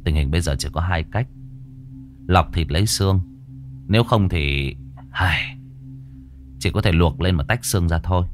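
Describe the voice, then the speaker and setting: A man voicing a calm young grave worker who gives brisk, businesslike instructions, in a horror story. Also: deep voice, lightly acted. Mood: calm instructive. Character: calm, matter-of-fact young male grave worker giving orders.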